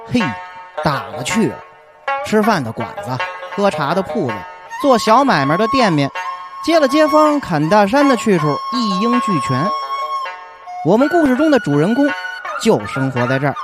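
Animated woman storyteller with a Beijing accent. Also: mid-range voice, moderate pace. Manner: colloquial, folksy. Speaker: show narrator. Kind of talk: scripted storyteller narration. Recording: music behind the voice.

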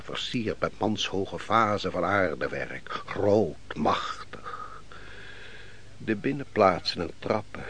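A man's voice: sits low, vocal fry, fairly bright tone, heavily acted. An actor playing a brooding, defeated nobleman of an ancient kingdom in a radio play, speaking solemnly and with theatrical deliberation. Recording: noisy old radio play recording.

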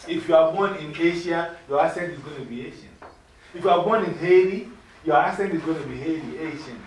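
A middle-aged woman with a Ghanaian accent, mentoring young people in an informal classroom talk, lively and preachy, laughing easily. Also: deep voice, fairly quick, a little hiss or hum. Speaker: mentor speaking to youth. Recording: echoey room from far off.

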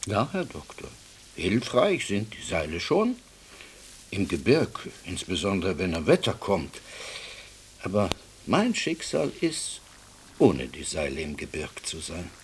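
Slow, fervent, devout Jewish man. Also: deep voice, huge pitch swings, slight background noise, exaggerated voice. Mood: awed, resolute. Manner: fervent, halting, dropping to a whisper. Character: devout, impassioned Jewish man, humble seeker of God. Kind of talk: radio play acting.

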